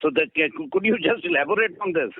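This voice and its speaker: An Indian man calling in as an investor, putting a blunt question in a halting way on a conference call. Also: sits high, slightly rough, dry recording. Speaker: investor caller asking a question. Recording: narrow, dry phone line.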